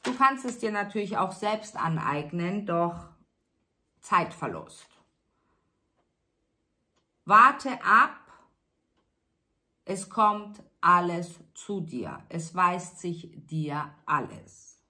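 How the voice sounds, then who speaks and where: A woman speaks in a slow, unhurried tarot reading, addressing the listener directly and soothingly. Her voice sits fairly low yet has a bright, clear edge. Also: big pitch swings. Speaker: tarot reader. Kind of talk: spiritual tarot reading monologue.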